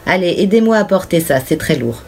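An eerie little girl speaks with unsettling calm and politeness, as a woman reads her. The voice is soft, quiet and pitched rather low. It is an audiobook character reading. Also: brisk, faint music behind. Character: eerie, composed little girl who moves in uninvited.

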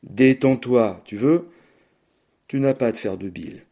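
Man voicing a callous young man in an audiobook, terse and dismissive. His voice is mellow and dark yet clipped and dry. He keeps his words short and flat. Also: mid-range voice, measured pace. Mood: falsely soothing.

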